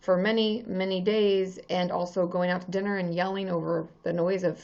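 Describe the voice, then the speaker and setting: A woman in her thirties with a slightly hoarse voice, a therapist chatting casually on a live stream, greeting viewers by name with many ums. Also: fairly low pitch, level tone, moderate pace, a little mellow, dull audio.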